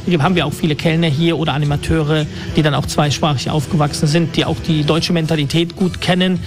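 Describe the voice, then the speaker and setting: A man's voice: fairly high pitch, steady tone, fast. A man from Germany, a resort manager, explaining things fluently with occasional hesitations in an interview. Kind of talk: interview answers. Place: holiday resort in Turkey.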